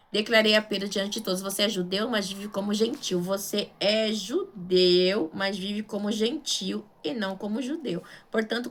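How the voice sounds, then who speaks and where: A woman's voice: medium pitch, fairly bright tone. A woman with a Brazilian Portuguese accent preaching informally as a missionary, conversational and emphatic, often asking rhetorical questions and checking in with her listeners. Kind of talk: informal Bible sermon.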